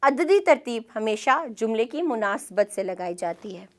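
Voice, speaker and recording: A woman with a Pakistani Urdu accent, teaching a scripted classroom lesson in a clear, measured way. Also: fairly high pitch, big pitch swings. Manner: clear, measured instructional delivery.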